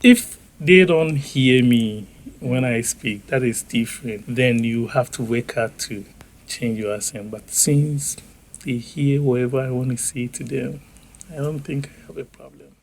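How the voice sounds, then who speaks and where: A man with a mid-range voice speaks slowly and deliberately. He pauses between thoughts and fills gaps with "um" as he explains his view. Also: mid-range voice, a little hiss or hum. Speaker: interviewee. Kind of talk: unscripted personal opinion.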